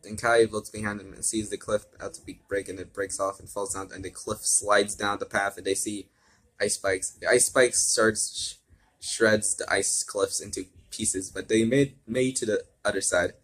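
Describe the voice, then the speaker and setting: A man's voice: on the low side, steady tone, moderate pace, fairly bright tone. A man reading fan fiction aloud with casual asides, often stumbling over words and repeating himself.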